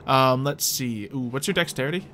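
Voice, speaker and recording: A man's voice: medium pitch, a little fast, pushed and bright. Man running a tabletop game, music behind. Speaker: game master of a tabletop roleplaying game. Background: background music.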